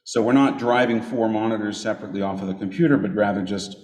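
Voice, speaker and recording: A man's voice: on the low side, fast, darkish tone. A man giving a casual live demonstration in a big echoing hall, picked up by a conference camera microphone. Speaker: guest presenter. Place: large indoor social hall. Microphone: conference camera microphone, away from the mouth. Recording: echoey hall from far off, noisy.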